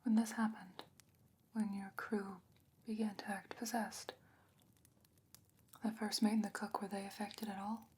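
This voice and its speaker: Woman playing a hushed, whispering fantasy sorceress. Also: medium pitch, level tone. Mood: concerned, probing. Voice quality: breathy, largely whispered. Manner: measured, pensive, hushed, with deliberate pauses. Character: calm, thoughtful fantasy sorceress advising a pirate captain. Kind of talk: soft-spoken ASMR fantasy roleplay.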